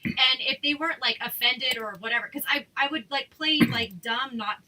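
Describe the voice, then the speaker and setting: A woman's voice: high voice, moderate pace, bright, forceful tone, rough recording. A woman hosting a casual chat over a video call, talking in loose, filler-heavy sentences with frequent restarts. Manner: chatty, many fillers and restarts. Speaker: host.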